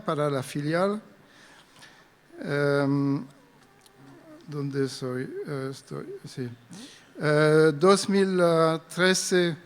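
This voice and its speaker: A middle-aged man with a French accent, speaking Spanish as a second language and giving a careful, hesitant conference talk. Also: fairly high pitch. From France. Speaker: invited speaker, wheat breeder. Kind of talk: conference presentation. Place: conference hall. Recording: long reverb of a large hall.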